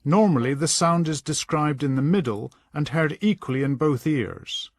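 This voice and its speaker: A man reading scripted instructional narration in a measured, instructing manner. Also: a little high, no echo, studio quality. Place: dry voice-over recording.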